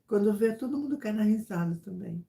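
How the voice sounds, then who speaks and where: A woman chatting casually with her viewers, telling a story in an animated way with many repeated phrases and asides. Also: mid-range voice, brisk, vocal fry. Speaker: YouTuber chatting with subscribers.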